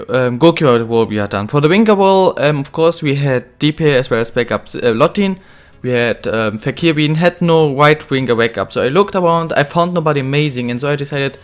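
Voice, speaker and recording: A young man with a slightly ill voice, talking through a football career-mode game in casual, rambling commentary full of fillers and self-corrections. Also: a little high. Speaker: gaming video host.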